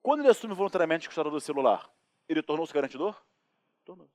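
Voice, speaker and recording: A Brazilian-accented man teaches criminal law in a recorded studio course. His voice sits fairly high for a man and comes across dry and close. He jokes, acts out little scenes and keeps asking the class rhetorical questions. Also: very fast, no room sound. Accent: Brazilian Portuguese. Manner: lively, joking, acts out anecdotes and asks rhetorical questions. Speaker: law lecturer.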